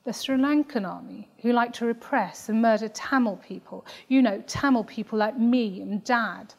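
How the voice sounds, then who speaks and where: A woman voicing a defiant teenage girl with quick, sarcastic retorts. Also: fairly high pitch, gravelly. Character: defiant teenage girl, sharp-tongued and restless.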